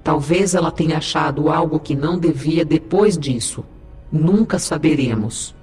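A man voicing a calm, teasing female ship computer with a dry, composed manner. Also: a little high, moderate pace, reverberant, music in the background, lightly acted.

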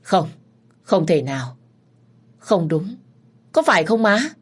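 A woman's voice: lowish voice, animated, normal speed. A woman voicing a bewildered young man who insists on knowing what happened. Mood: disbelieving. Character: young man, stunned and pleading son.

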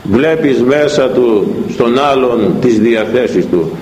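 A man delivers a sermon in a lively, swooping voice, acting out the lines of the people in his stories. His voice rings around a roomy, echoing hall. A faint noise sits behind him. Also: medium pitch. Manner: storytelling, animated, acts out dialogue. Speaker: preacher. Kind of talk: sermon on a Bible verse with anecdotes.

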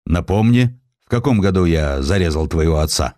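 A man's voice: low voice, lively intonation, moderate pace, mellow, no echo, studio quality. A man voicing a callous, cynical imperialist magnate, cold and contemptuous, in an audiobook. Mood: cold, taunting. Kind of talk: audiobook character dialogue.

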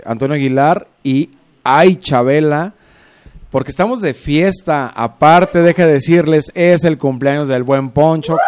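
A man's voice: a little high, a little mellow, smooth. A man with a Mexican accent hosting a radio show, chatting casually and teasing his technician in a joking way. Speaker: radio host.

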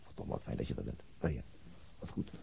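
A man's voice: fast, natural voice. An actor playing a flustered, smitten male police inspector who stammers and repeats his words in a radio drama. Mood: relieved, apologetic. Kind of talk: intimate radio drama dialogue. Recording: dull, noisy old radio drama recording.

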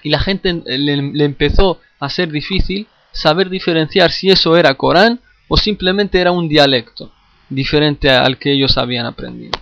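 A man's voice: fairly high pitch, normal speed, vocal fry, fairly bright tone, dry recording, muffled recording. A man teaching a lesson on Islamic history, addressing his listeners directly, often hesitating, repeating phrases and restarting words. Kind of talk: classroom lecture.

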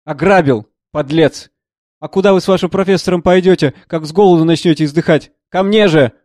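Male reader doing a scornful bully of a financier, slightly high voice, dry close read. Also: fairly quick, darkish tone, no echo, close to an everyday voice. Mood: contemptuous. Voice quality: sneering, scornful. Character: rude domineering middle-aged man, blustering financier.

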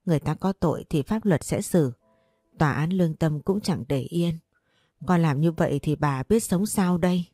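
A woman's voice: low-pitched, normal speed, warm tone, breathy edge, no room sound, clean studio sound. Woman playing a tearful grandmother near sixty. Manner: tearful pleading.

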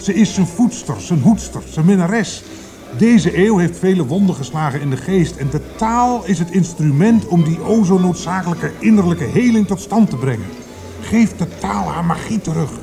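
A man's voice: sits high, expressive, normal speed, gravelly, dark tone. An actor playing a zealous male poet in a radio drama, speaking in solemn, grandiloquent declamation. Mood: impassioned, declaiming. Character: fervent male poet, zealous would-be leader of language purists. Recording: music behind the voice. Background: music.

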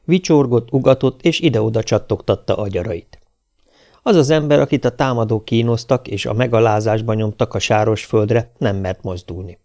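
Low-voiced man reading a short story. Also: darkish tone. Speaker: audiobook reader. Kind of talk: audiobook narration of a short story.

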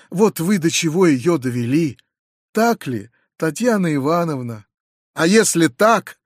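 A man reading an audiobook, voicing a shrill, furious middle-aged noblewoman in an indignant screeching tirade. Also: a little mellow, husky, no echo, studio quality. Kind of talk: audiobook character voice.

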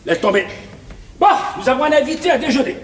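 Lucien, a loud vulgar tycoon. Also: male voice, very high-pitched, expressive, quick pace. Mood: blustering. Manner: boisterous, crude, bossy. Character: loud rich vulgar boastful businessman. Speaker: stage actor. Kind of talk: 1970s televised stage comedy. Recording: echoey stage, distant mic, noisy.

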